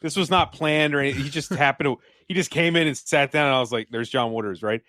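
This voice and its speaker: Podcast guest, man, middle pitch, rambling anecdotal delivery, close dry mic. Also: fast, bright, forceful tone, no room sound. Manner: rambling anecdotes with frequent restarts. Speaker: guest filmmaker. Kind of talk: casual podcast chat.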